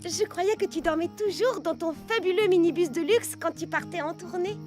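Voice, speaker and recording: A woman's voice: very high-pitched, moderate pace. A woman in a French cartoon dub voicing an eager, gushing little girl who is a devoted fan. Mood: starstruck. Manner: gushing, formal, eager to please. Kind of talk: French animated cartoon dubbing. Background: background music.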